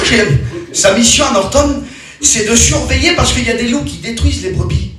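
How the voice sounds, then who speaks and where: Guy preaching a sermon, high voice, keeps repeating himself, big echo, mic far away. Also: a bit bright. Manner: emphatic, repetitive storytelling with restarts. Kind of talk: sermon told as a personal story. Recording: very echoey hall, mic far off.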